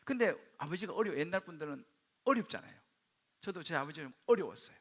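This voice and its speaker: A male pastor telling a personal story in a sermon, dropping to hushed quoted asides and rising into sudden loud bursts. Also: fairly high pitch, lively intonation, quick pace. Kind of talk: sermon testimony.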